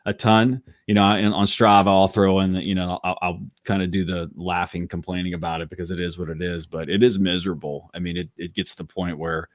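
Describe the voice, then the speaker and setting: Brief: man, 40s, very low voice, dry close sound, chatty and rambling. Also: little pitch movement, fairly quick, few pauses, no echo. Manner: chatty, rambling with many restarts. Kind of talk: casual chat.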